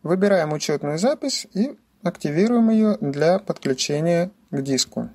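A man's voice: a little high, animated, moderate pace, darkish tone. A man giving scripted instructional narration as a tutorial presenter, explaining things methodically, step by step.

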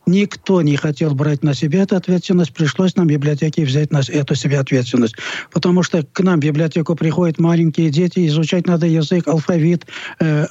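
Dull-sounding, high-pitched man explaining earnestly. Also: dark tone, no echo. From Tatarstan, Russia. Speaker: library representative, interview guest. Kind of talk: explanatory interview answers. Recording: dull, muffled lo-fi audio.

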